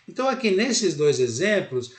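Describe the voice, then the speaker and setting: A man's voice: high voice, very animated, normal speed, reverberant. A man from Brazil teaching an online English lesson, explaining patiently step by step and often checking in with his students.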